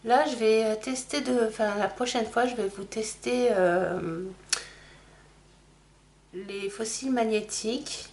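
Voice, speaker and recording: A woman's voice: on the high side, takes it slowly, a little mellow. Chatty middle-aged woman doing makeup. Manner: chatty, apologetic, talks while applying makeup. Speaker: makeup vlogger. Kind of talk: casual makeup tutorial chat.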